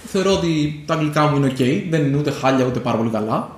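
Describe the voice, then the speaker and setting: Man, podcast co-host, casual rambling talk, higher voice, echoey room. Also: lively intonation. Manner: rambling, many fillers and restarts. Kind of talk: casual chat. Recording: echoey room with faint noise.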